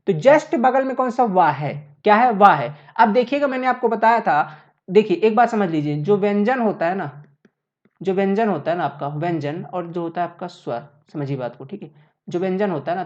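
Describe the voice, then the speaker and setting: A woman's voice: mid-range voice, highs cut off. A woman teaching a lesson at a board, explaining step by step and asking questions she then answers herself. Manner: repeats points, asks and answers her own questions. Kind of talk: classroom lecture at a board.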